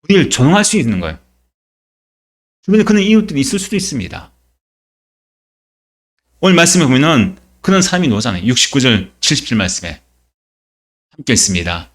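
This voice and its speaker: A man's voice: mid-range voice, very animated, fairly quick, long pauses. A male pastor preaching a Sunday sermon, emphatic, asking rhetorical questions and answering them himself. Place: church.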